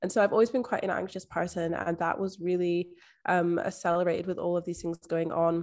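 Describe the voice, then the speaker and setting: This woman has a plain, everyday voice, fairly low in pitch, with fairly even intonation. She talks at a fairly quick pace against a quiet background. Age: 20s. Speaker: mindset and manifestation coach. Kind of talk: podcast interview, personal story.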